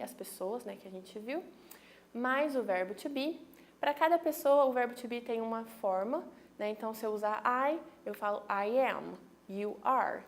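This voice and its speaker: A woman teaching English grammar, patiently explaining in her own language and checking that listeners follow, with English example sentences mixed in. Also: fairly high pitch. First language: Portuguese. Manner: switches between English examples and Portuguese explanation.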